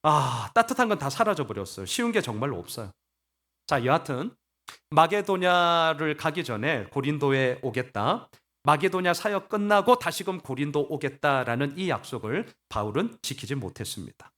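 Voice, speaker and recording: A man preaching a sermon as pastor, animated, acting out voices and asking the congregation questions. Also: on the high side, normal speed. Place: church sanctuary.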